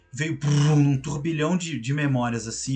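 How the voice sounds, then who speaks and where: Music plays behind a man speaking at a moderate pace. His voice sits fairly high, with ordinary pitch variation. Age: 30s. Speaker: podcast co-host. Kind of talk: casual chat. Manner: animated.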